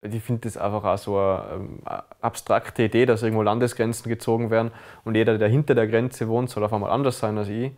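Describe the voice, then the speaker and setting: A man's voice: fairly low pitch, fairly even intonation, brisk, hardly any pauses, a little mellow. A young man with an Austrian accent, giving his thoughts in casual, reflective interview talk. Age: young adult.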